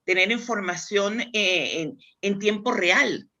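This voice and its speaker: A Spanish woman with a Spanish accent, appearing as an interview guest, explains demand planning thoughtfully and conversationally, often restarting her sentences. Her mid-range voice is slow, pushed and bright, though the audio sounds dull.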